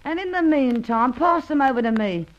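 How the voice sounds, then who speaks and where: A woman's voice: high-pitched, animated, moderate pace. A woman playing a bossy, scornful female jewel thief in an old radio crime drama, talking in snappish, tough slang. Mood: wary, bossy. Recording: dull, muffled old radio recording.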